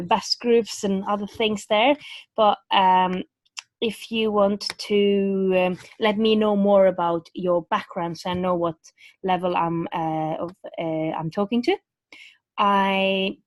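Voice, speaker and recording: A woman's voice: mid-range voice, dry recording. Chatty Norwegian woman teaching a webinar. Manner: chatty, many fillers and restarts. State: speaking around a bitten tongue. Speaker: vocal coach. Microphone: video call.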